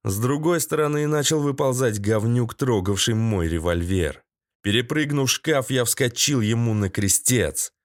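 Narrator: man, unhurried, flat grim delivery, dry close-miked sound. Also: mid-range voice, no echo. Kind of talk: first-person story reading.

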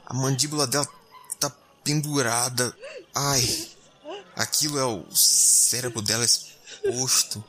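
A man's voice: medium pitch, very animated, takes it slowly, sharp tone, heavily acted. A man with a Brazilian accent playing a bewildered, squeamish young explorer in a horror audio drama, colloquial and incredulous. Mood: horrified. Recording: music behind the voice.

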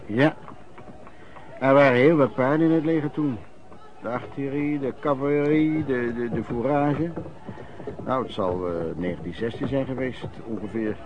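An actor playing an old vagrant in a radio drama, reminiscing in a colloquial, halting way and repeating words. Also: male voice, medium pitch, close to an everyday voice. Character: old vagrant recalling wartime lodging-house life, earthy storyteller. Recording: muffled old radio recording, background noise.

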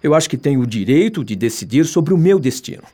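Earnest young man, husky, lively pitch, pleading, respectful, radio drama. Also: quick pace. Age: young adult. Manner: imploring, respectful, emotional. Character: pleading, earnest young son, humbled but in love. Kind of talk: melodramatic radio drama acting.

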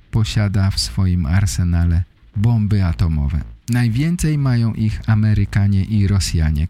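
A man hosting a podcast, giving an explanatory monologue for language learners in short, deliberately phrased sentences. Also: on the low side, warm tone. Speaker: podcast host.

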